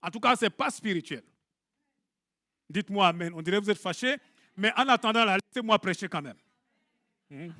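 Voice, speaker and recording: High-pitched, animated preacher man. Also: moderate pace, long pauses, dry recording, clean studio sound. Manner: animated, swings from loud to hushed, jokes with the congregation. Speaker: pastor. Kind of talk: lively sermon.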